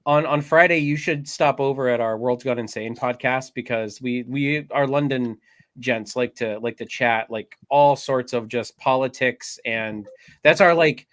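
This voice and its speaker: A man's voice: medium pitch, a little slow, fairly bright tone. Chatty rambling man on a podcast. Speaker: podcast co-host. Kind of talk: casual chat.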